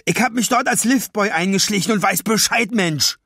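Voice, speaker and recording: A man's voice: sits high, normal speed, gravelly, bright, forceful tone, breathy edge, dry recording, studio quality, pitched above the performer's own voice, exaggerated voice. A man reading aloud and voicing a cocky, blunt young boy.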